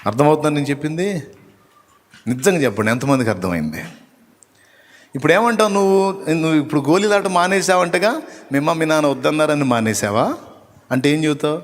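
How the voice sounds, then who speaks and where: A man's voice: a little high, animated, fairly quick, pauses often, big-room sound. A male pastor preaching a live sermon, firing rhetorical questions at the congregation and teasing them with acted asides. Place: church hall.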